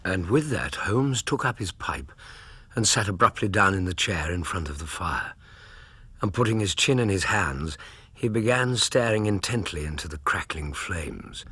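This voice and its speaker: An actor playing a steady doctor who narrates the tale in a hushed, husky voice. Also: male voice, sits low, moderate pace, exaggerated voice. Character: solid, concerned male doctor and narrator. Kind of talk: radio drama narration.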